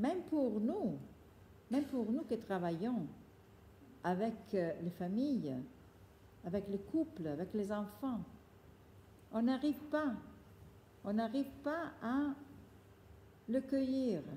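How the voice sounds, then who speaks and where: With an Italian accent, a woman talks at a very slow pace, leaving long, frequent pauses. Her fairly high voice swings very widely in pitch, with light background noise behind her. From Italy. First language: Italian (speaking French). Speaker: psychoanalyst and author; conference speaker, psychoanalyst. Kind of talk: lecture. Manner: halting. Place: meeting room. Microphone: phone near.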